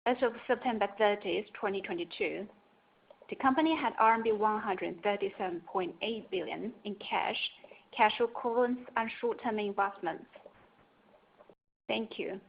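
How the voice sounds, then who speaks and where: A woman finance executive reading a scripted financial report in a formal, measured way. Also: mid-range voice, creaky, slightly rough. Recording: dull lo-fi conference call line.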